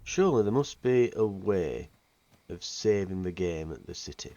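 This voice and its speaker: Give me a low-voiced man with a slight cold, rambling casually through a let's play. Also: animated, normal speed, dark tone, lo-fi sound. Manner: chatty, rambling, with fillers. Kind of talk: casual gameplay commentary.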